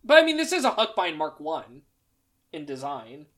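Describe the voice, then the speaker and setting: A podcast co-host rambles through details about mecha designs on a casual chat show, using lots of fillers and showing flashes of exasperation. Her low voice has big pitch swings, a fairly bright tone, and a moderate pace.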